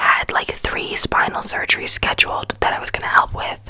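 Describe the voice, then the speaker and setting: Whispering at a moderate pace, a woman is heard over noticeable background noise. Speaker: ASMR creator and former surgical nurse. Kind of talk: whispered ASMR rambling. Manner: whispered, soft-spoken.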